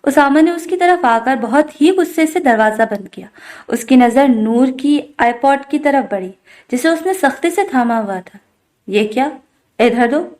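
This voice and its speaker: A woman narrating a novel aloud in an even storytelling manner. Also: sits high. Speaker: novel reader.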